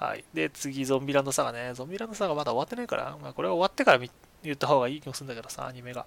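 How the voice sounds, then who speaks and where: A man with a fairly high pitch talks at a very fast pace, with lively intonation and big swings in loudness. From Miyagi, Japan. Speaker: podcast host. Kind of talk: casual solo podcast monologue. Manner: hesitant with many fillers.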